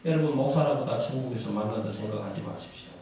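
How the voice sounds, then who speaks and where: A male Korean pastor preaching a sermon in an emphatic, rousing way with dramatic pauses, in a large church sanctuary. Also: medium pitch, gravelly, background noise. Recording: echoey hall from far off.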